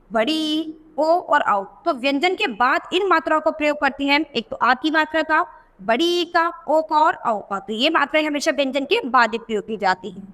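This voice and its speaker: A woman teacher patiently explaining vowel signs to young children, often asking questions and drawing out sounds slowly. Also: high voice, fairly bright tone, long reverb tail. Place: teaching video voice-over.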